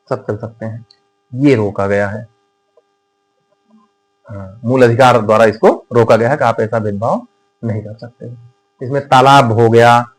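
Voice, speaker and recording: A male teacher gives a relaxed, conversational classroom lecture at a medium pitch. He keeps asking his students rhetorical questions and slows right down to dictate notes. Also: poor audio.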